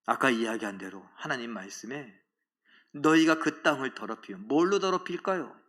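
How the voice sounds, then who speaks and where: A male pastor preaching a sermon in a church, acting out quoted taunts with loud outbursts and dropping to a hush for emphasis. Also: mid-range voice, expressive, normal speed. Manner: dramatic, acts out quoted taunts and cries with sudden loud rises; drops to a hushed, soft voice for emphasis. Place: church sanctuary.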